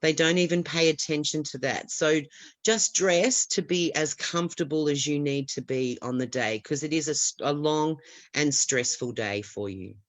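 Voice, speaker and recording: A woman's voice: deep voice, normal speed, dry recording. A woman giving reassuring advice as an expert guest on a webinar, explaining with small restarts over a video call.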